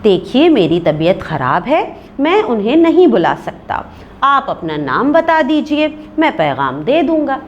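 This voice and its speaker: A woman's voice: on the high side, very animated, measured pace, muffled recording, slight background noise, voice pushed up. A woman voicing a sick, grumpy husband who is trying to rest, reading a play aloud for a class. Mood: weary. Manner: irritated, weary.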